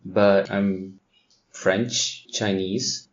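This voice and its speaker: A man who grew up in Pakistan, a podcast guest, answering in a hesitant, soft-spoken way. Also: low voice, flat delivery, extremely slow. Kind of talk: casual interview answer. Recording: roomy, lo-fi recording.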